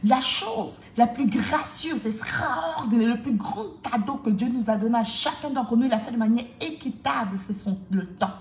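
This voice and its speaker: A woman's voice: on the high side, moderate pace, hardly any pauses. A woman coach giving a motivational talk to the viewer, emphatic and repetitive in a preaching cadence. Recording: echoey room with faint noise.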